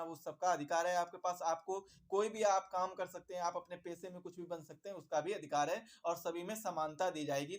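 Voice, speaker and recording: A man teaching an exam prep lesson. He repeats his points, asks questions and answers them himself, and calls viewers "my dear brother". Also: sits high.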